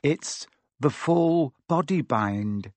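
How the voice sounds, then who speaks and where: A man's voice: high voice, huge pitch swings, a little slow, darkish tone, no echo, pitched above the performer's own voice, full character voice. A man voicing an earnest, anxious schoolgirl in an audiobook, with a pleading manner. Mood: apologetic. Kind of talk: audiobook character voice.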